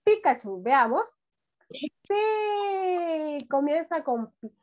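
A high-voiced woman teacher with a Chilean Spanish accent, talking to young children over a dull, lo-fi video call. She stretches words out syllable by syllable and speaks in a slow, gentle, coaxing way. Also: very animated. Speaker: primary school teacher. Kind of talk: online class for first graders. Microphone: laptop mic on a video call.

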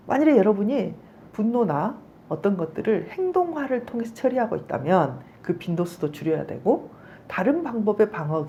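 A woman's voice: a little high, warm tone, slight background noise. A middle-aged woman giving a psychology lecture in a conversational way, often checking in with her listeners and acting out angry outbursts as examples. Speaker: psychology professor.

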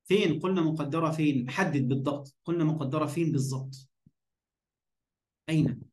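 A man with an Egyptian accent gives an online grammar lesson in a fairly high voice. He keeps asking his class questions, fills in the answers himself, and checks they follow. His voice rings in an echoey room. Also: a little fast, a little mellow. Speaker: Arabic grammar teacher.

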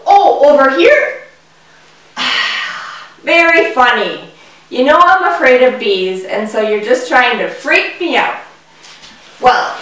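A woman voicing an excitable, fearful young boy in a children's puppet show, with exaggerated delivery aimed straight at kids. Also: high-pitched, exaggerated voice. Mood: jumpy, scared. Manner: exaggerated, addressing children directly. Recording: echoey hall, far from the mic.

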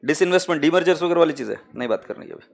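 Indian guy teaching accounts live, high voice, calls everyone beta, hindi english mix. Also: animated, rapid-fire, vocal fry. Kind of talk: live classroom lecture.

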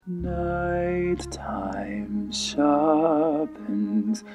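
Man in very slow theatrical delivery. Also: fairly high pitch, animated, over music.

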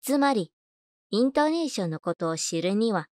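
A woman's voice: mid-range voice, very animated, moderate pace, a little mellow, no room sound. A woman reading scripted audiobook narration as a voice-over narrator.

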